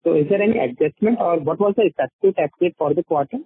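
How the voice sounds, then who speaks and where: A man's voice: high-pitched, animated, quick pace, breathy edge, dry recording. A man putting questions as an analyst on an earnings call, hesitant and polite. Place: conference call by phone. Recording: narrow dry phone line.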